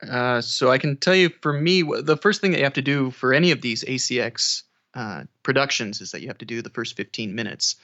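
A man's voice: medium pitch, fairly quick, hardly any pauses, sharp tone, highs cut off. A man who narrates audiobooks, talking casually as a guest in an interview.

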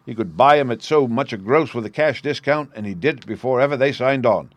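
A man's voice: mid-range voice, lively intonation, a little fast, no echo, natural voice. A man doing a swaggering boastful convict ringleader. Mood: scheming. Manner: boisterous, boastful with laughs.

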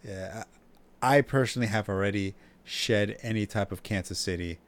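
A man's voice: on the low side, normal speed. A man co-hosting a podcast in casual chat, giving blunt, emphatic opinions. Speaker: podcast co-host. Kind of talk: casual fantasy football chat.

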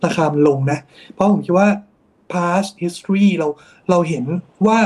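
An investment strategist with a high-pitched, darkish voice takes his time explaining how bond markets work. His commentary features English finance terms and a steady stream of polite particles at the ends of sentences.

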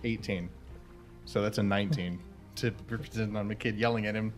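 A man's voice: on the low side, steady tone, moderate pace. A man chatting casually as a player in a tabletop role-playing game. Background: music.

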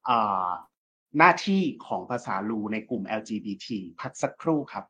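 A man co-hosting a casual talk show, explaining things in a relaxed way with frequent hesitations. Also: mid-range voice, moderate pace, background noise. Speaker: co-host. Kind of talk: casual discussion podcast.

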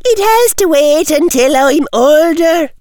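A man putting on a shrill teenage girl, melodramatic, very high falsetto, loud. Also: lively intonation, slow pace, dry recording, studio quality, full character voice. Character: teenage schoolgirl, dramatic and fretful.

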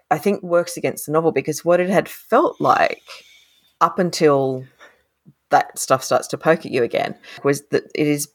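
An Australian woman co-hosting a podcast, talking through a novel in a thoughtful, animated way and laughing often. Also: low voice. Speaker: podcast co-host, critic. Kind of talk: casual book discussion.

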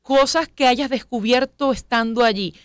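A woman's voice: fairly high pitch, normal speed, smooth, dry recording, clean studio sound. A woman radio host interviewing a guest, asking questions in an inviting way.

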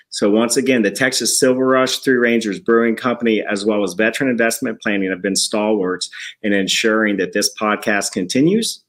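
A man's voice: on the low side, fairly bright tone. A man hosting a podcast from a church building, introducing and interviewing a guest with enthusiasm and some restarts. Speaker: podcast host.

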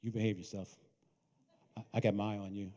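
A man playing a calm, commanding male teacher who calls his followers forward in a firm, raised voice. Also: on the low side, fairly quick, voice pushed down, close to an everyday voice. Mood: stern. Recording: reverberant hall.

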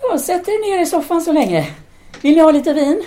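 A woman's voice: extremely high pitch, very animated, dark tone. A woman playing a self-assured, seductive philosopher-teacher in an audio drama, speaking in an articulate, formal, lecturing manner. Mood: inviting, flirtatious. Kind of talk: audio drama dialogue acting.

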